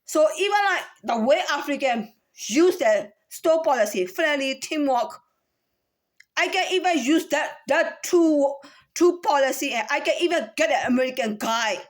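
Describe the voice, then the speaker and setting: A woman's voice: sits high, expressive, moderate pace. A woman from Myanmar in a casual, rambling monologue to camera, full of rhetorical questions and restarts. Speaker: vlogger.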